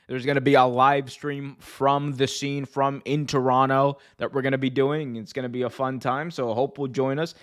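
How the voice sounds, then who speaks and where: A man with a North American accent hosts a casual livestream, chatting with viewers in slangy, sweary language and often breaking into laughter. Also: medium pitch. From United States. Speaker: wrestling show host and livestreamer. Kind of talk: casual livestream chat reacting to viewer comments.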